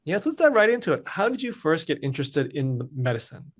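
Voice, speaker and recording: A man's voice: fairly high pitch, a little fast. A man hosting a podcast, reading a guest introduction and asking interview questions. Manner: steady, reads scripted intro then asks questions. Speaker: podcast host.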